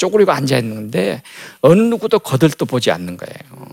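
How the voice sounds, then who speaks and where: In a very clean recording with a silent background, a man is speaking. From South Korea, Gwangju (Jeolla region). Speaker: pastor and retired theology professor. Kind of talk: lecture.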